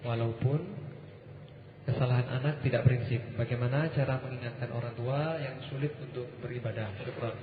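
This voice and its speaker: A man's voice: mid-range voice, steady tone, brisk. A man politely reading out a question for the preacher. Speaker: caller asking a question. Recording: tinny phone line, echoey, faint hiss.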